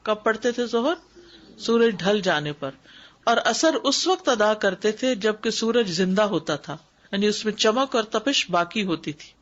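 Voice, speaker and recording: A woman's voice: mid-range voice, animated. A woman teaching a class on prayer, explaining things step by step and repeating key points for emphasis. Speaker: Islamic studies teacher. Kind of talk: lecture on prayer. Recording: dull lo-fi recording.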